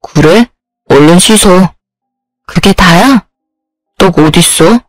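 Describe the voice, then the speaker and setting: A woman's voice: fairly low pitch, lively intonation, slow, dry recording, soft background music, pitched below the performer's own voice. A woman voicing a self-centered young husband who curtly brushes off his wife's complaints. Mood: offhand.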